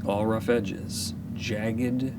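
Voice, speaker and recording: A man with a low voice narrates as game master in a deliberate, suspenseful way. He sounds set back from the mic, under a loud rumbling ambience. The phrasing is dramatic, built for an improvised adventure story. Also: fairly even intonation, distant mic, heavy background noise. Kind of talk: improvised atmospheric narration for an audio tabletop game.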